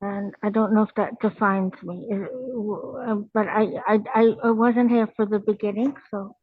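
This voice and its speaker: A woman from Pakistan joining a video call, speaking haltingly with many fillers. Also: mid-range voice, fairly even intonation, no echo. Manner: hesitant, many fillers and restarts. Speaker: participant. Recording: tinny phone-like line.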